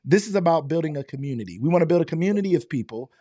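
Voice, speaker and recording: Upbeat, slightly hoarse livestream host man. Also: fairly high pitch, lively intonation, very fast, dark tone, no echo, studio quality. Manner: upbeat, chatty, greets viewers by name. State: slightly hoarse, losing his voice. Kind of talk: livestream show hosting.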